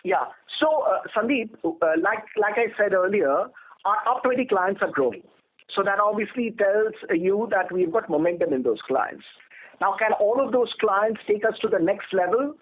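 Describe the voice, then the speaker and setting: A man speaking as a company executive, answering on an earnings call in a measured, emphatic corporate manner. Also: high voice, lively intonation. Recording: narrow telephone conference line.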